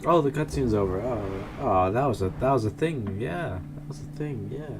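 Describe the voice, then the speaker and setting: A man's voice: mid-range voice, animated, moderate pace, noisy background. A man streaming a game, muttering offhand remarks as he plays. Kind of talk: casual gameplay commentary.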